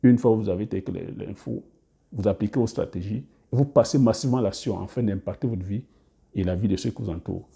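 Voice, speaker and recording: A man giving business advice to camera in a casual monologue, hesitant, with many fillers and restarts, often trailing off quietly at the ends of phrases. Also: fairly low pitch, fast talker, vocal fry. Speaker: business coach YouTuber.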